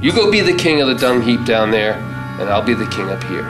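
A blunt, defiant man takes charge among survivors, acted by a man in a radio play. His mid-pitched voice moves widely up and down. Music plays clearly behind him. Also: sing-song, a little fast, close to an everyday voice. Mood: scornful, defiant. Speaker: actor in a staged radio play. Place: theater stage. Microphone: stand microphone. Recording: music behind, live stage.

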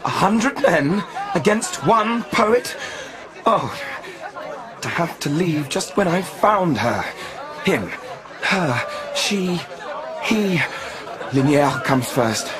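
An actor playing an ardent, earnest young gentleman in a period radio drama, hesitant and lovestruck. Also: a little high, animated, drawn-out words, poor audio. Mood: lovestruck, agitated. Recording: crowd murmur behind.

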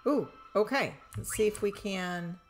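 Slow, lively older woman gamer. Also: medium pitch, music in the background. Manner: thinks aloud, bursts into excited squeals. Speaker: game streamer. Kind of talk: live gameplay commentary.

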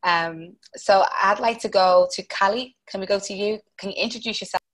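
A woman's voice: mid-range voice, normal speed, fairly bright tone. A young woman moderating a video call, speaking upbeat and handing over to each speaker. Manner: upbeat, inviting others to speak. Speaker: event moderator. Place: room at home. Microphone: wired earphone mic on video call.

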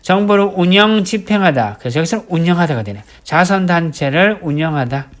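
A man teaching English vocabulary in a recorded lecture, repeating each word slowly and writing it out as he explains. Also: high-pitched, lively intonation. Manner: drills words by slow repetition, writes as he explains.

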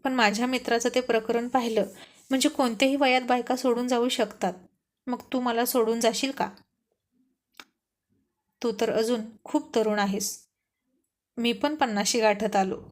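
A woman reading the part of a stern husband nearing fifty, now tearful and pleading. He speaks in emotional storybook dialogue. The voice sits a little high. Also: steady tone, moderate pace, pauses often, natural voice. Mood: hurt, pleading.

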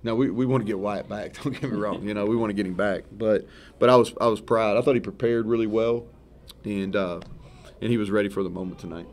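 He's a fast-talking man in his thirties with a fairly low voice, the head coach of a football team answering questions after a game. His replies are rambling and candid, full of self-corrections, yet relaxed. Several table mics capture him in a press conference room set against a sponsor backdrop.

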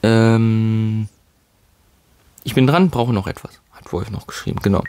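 A man's voice: fairly low pitch, a little slow, warm tone, clean tone, no echo. Man, let's play host, casual commentary, jokey asides, dry close mic. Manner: chatty, reads in-game texts aloud with jokey asides.

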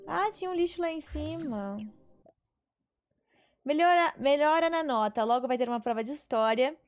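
Speaking at a moderate pace in an expressive, high voice, this young woman streams a life-sim game and swears occasionally as she chats with viewers and shares stories. Her headset mic captures the casual gameplay talk from a small indoor bedroom setup.

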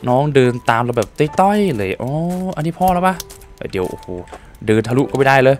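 A man's voice: medium pitch, a little fast, soft background music. A man playing a video game, reading out and translating the dialogue in a casual, joking way. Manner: lively, laughs often, swears casually. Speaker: gaming streamer. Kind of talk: casual let's-play commentary, translating dialogue.

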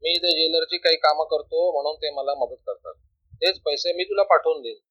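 A man voicing a calm, earnest young male prisoner who reassures his mother, in a storybook reading on a dull lo-fi recording. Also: fairly high pitch, fairly quick, dry recording. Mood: reassuring.

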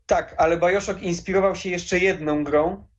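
Young male interview guest, enthusiastic and informal, slightly high voice, lo-fi call audio. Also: steady tone, normal speed. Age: young adult. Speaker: interview guest, game collector. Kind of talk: casual interview chat. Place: small room lined with game shelves. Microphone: headset on a video call. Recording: dull lo-fi video call audio.

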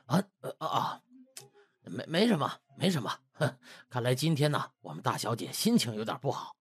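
A man's voice: mid-range voice, very animated, moderate pace, slightly rough, full character voice. A man voicing an obliging, evasive household butler in an audiobook, hesitant and ingratiating. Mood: flustered, covering up.

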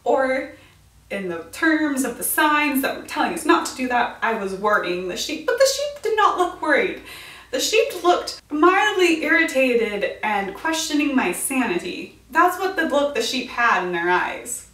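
A woman's voice: high-pitched, big pitch swings, unhurried, a bit bright. An American woman in her twenties telling a story casually and dramatically to camera, in a chatty way. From United States. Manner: chatty, dramatic retelling with quoted reactions. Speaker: vlogger. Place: indoors, small bright room with bookshelf. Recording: roomy echo, distant mic.

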